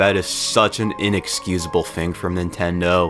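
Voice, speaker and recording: A man is speaking. Music plays in the background. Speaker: gaming video creator. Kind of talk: casual talk to camera. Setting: far from microphone. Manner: rambling.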